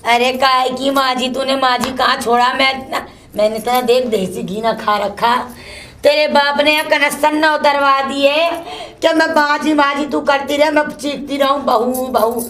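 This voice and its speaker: A woman's voice: steady tone, moderate pace, a bit bright. A woman playing a scolding old mother-in-law who curses and complains nonstop. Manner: shrill, cursing, complaining nonstop. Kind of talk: solo comedy sketch.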